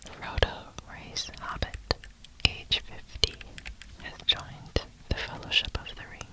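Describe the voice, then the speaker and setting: A person whispering close to the ear in an unvoiced ASMR tutorial style, with deliberate delivery, as a programming instructor. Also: rough recording. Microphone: close ear-to-ear stereo microphone. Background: computer keyboard typing.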